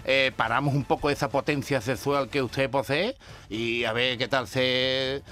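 A man voicing a brisk doctor proposing surgery in a joke. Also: mid-range voice, fairly even intonation, bright, forceful tone. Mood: businesslike. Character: matter-of-fact male doctor.

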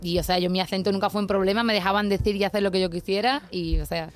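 A woman with an Andalusian accent answers questions on a radio show. Her voice sits at a middle pitch, and she talks in a spontaneous, chatty way, laughing easily. Soft music plays faintly underneath. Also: steady tone, fast talker. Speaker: guest, makeup influencer. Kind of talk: radio interview.

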